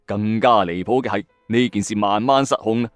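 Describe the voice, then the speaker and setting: A man's voice: lowish voice, a little fast, clean tone, no room sound. A man with a Hong Kong Cantonese accent hosting and narrating a dramatic, suspenseful late-night ghost story in a colloquial way, with exclamatory asides. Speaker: host of a ghost story audio channel. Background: background music.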